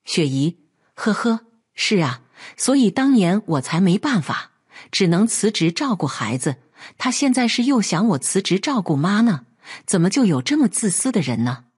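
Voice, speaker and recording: A woman voicing an indignant, sharp-tongued young wife who scolds her selfish father-in-law in a read-aloud story. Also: mid-range voice, sing-song, normal speed, husky.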